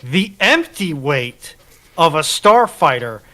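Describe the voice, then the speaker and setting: A man's voice: a little high, big pitch swings, takes it slowly, pushed and bright. A man in a casual military history discussion, explaining things in an insistent way.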